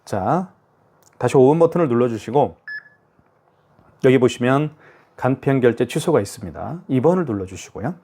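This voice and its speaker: In a casual product tutorial, a man narrates every step aloud, checks in with the viewer, and chats along with frequent "자" and "그죠?". His warm, mid-range voice is expressive, at a moderate pace with long pauses. The recording has a faint hiss and device clicks.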